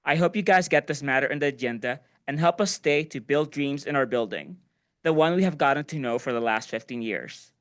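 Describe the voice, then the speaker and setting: A man's voice: medium pitch, expressive, a little fast, a bit bright. A man reading out a translated public speech as an interpreter.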